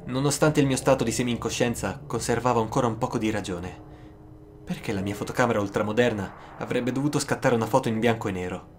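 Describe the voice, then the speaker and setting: A man narrating a scripted first-person horror story, with dramatic, suspenseful pauses. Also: medium pitch. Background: music.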